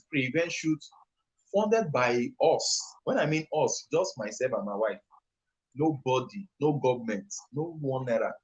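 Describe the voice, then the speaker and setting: A man's voice: fairly high pitch, muffled recording. A man with a Nigerian accent, an entrepreneur answering an interview question on a live stream, talking in a passionate, emphatic, rambling way. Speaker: entrepreneur and youth trainer, guest.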